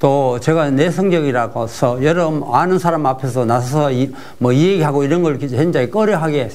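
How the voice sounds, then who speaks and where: The voice moves with lively intonation amid audible room echo. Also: man. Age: 80s+. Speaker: yoga instructor. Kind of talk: interview.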